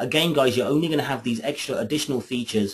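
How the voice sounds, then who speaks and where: Talking at a very fast pace against a quiet background, a man sounds somewhat breathy, his pitch varying in an ordinary way. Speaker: internet marketer presenting a webinar. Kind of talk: webinar tutorial. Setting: online webinar. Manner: hesitant, many fillers.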